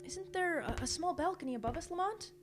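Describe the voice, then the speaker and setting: A woman's voice: very high-pitched, animated, quick pace, over loud music. An actress playing a detective's nervous, loyal lady companion in a radio mystery, earnest and polite. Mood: alarmed. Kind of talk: old-time radio mystery acting.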